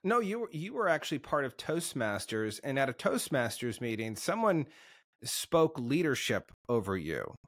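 A man's voice: medium pitch, moderate pace. A man hosting an interview, prompting his guest to tell a story from her past. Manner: lively, leading the guest into a story. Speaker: podcast host. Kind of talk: interview questions.

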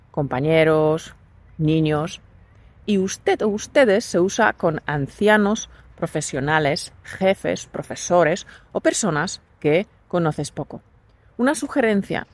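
A woman teaching a scripted language lesson, clear and patient as she leads drills. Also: fairly low pitch, no echo. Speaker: Spanish teacher.

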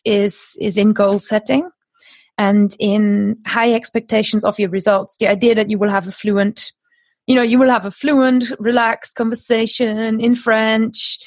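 A woman's voice: a little high, no room sound. A woman in her thirties whose first language is German, chatting as a podcast guest, laughing often and restarting her phrases. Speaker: guest, language course creator. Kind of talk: conversational podcast interview.

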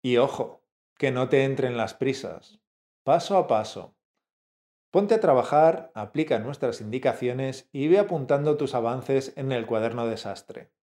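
A man co-hosting a language lesson, measured and explanatory, speaking straight to the learner. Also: medium pitch, lively intonation, mellow. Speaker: language teacher, co-host.

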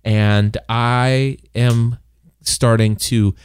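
A man's voice: mid-range voice, little pitch movement, drawn-out words, clean tone. An American man of forty-one chatting casually as a podcast co-host, with a bantering, self-deprecating manner. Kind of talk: casual chat.

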